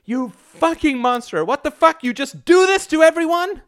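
A man's voice: mid-range voice, takes it slowly, darkish tone, no room sound, clean studio sound. A man voicing a furious, bitter wife who shrieks orders at her family in a dramatic story. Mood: enraged. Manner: shrieking, commanding, breaking off.

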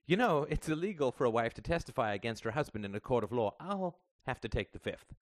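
A man's voice: mid-range voice, very animated, fast talker, dry recording, clean studio sound, voice pushed up, natural voice. A man voicing a tight-lipped mother who sounds strained and evasive.

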